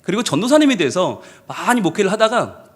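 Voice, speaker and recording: A man preaching a sermon as pastor, telling a story in an animated way and acting out the people in it. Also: high-pitched, a little fast, slightly rough. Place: church service.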